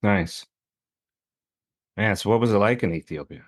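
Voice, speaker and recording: A male podcast host with a very low voice. He speaks in an easygoing, conversational way and trips over his questions as he asks them. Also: normal speed. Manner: friendly, loose, stumbles over questions. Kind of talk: casual interview.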